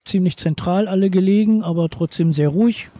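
A man's voice: sits high, a little fast, dark tone, dry recording. Easygoing man from eastern Germany, dry sound. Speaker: beach bar and holiday flat owner. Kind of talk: interview answers. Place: outdoors at a beach bar.

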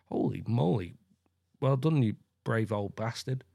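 A man's voice: medium pitch, lively intonation, unhurried, gravelly, warm tone, slightly rough, dry recording, clean studio sound. A man hosting a podcast, reading an account aloud and breaking in with blunt, swearing asides. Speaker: podcast host. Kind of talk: casual reading with commentary.

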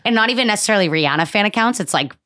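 A young woman, co-hosting a podcast in casual, animated chat. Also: medium pitch, very fast. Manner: animated, emphatic, swears casually. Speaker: podcast co-host.

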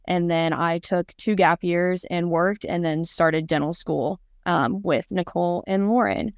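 A woman's voice: on the low side, steady tone, a little slow, dry recording, studio quality. A woman from Northern Kentucky, a dental student, introducing herself in an easygoing way. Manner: easygoing, with fillers. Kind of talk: casual self-introduction.

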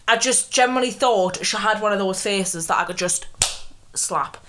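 A woman's voice: mid-range voice, moderate pace, a bit bright, slight background noise. A young woman with a Geordie accent co-hosting a podcast, chatting casually, teasing her friend and laughing often. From North East England. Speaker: podcast co-host. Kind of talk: casual chat.

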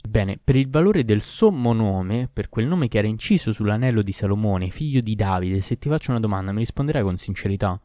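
A man's voice: lowish voice, animated, brisk, hardly any pauses, warm tone, dry recording, clean studio sound, close to an everyday voice. A man voicing a poor, desperate but cunning fisherman in a storybook reading, speaking in an earnest, pleading way.

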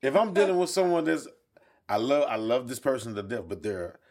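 A man's voice: mid-range voice, sing-song, fairly quick, a little mellow. A man speaking African American English in casual conversation, blunt and freely profane, telling stories in a streetwise way.

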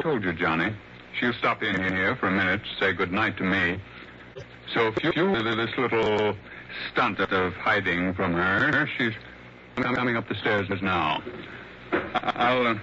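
A stammering, genial blind writer. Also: male voice, on the low side, measured pace, long pauses, sharp tone. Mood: conspiratorial. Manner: stammering, repeats words. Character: blind male writer, genial host, secretive. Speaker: host and author. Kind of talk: 1960s radio drama acting. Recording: lo-fi old radio with hiss.

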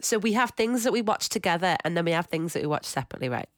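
Brief: woman, giggly co-host, lowish voice, dry sound. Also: animated, rapid-fire, no room sound. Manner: giggly, enthusiastic. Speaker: podcast co-host. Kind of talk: casual chat.

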